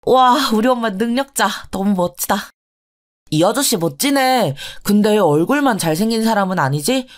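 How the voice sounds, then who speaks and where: A woman's voice: mid-range voice, lively intonation, normal speed, close to an everyday voice. Woman voicing cheeky, cheerful teenage kids. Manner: bright, cheeky and encouraging. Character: cheerful teenage son and daughter.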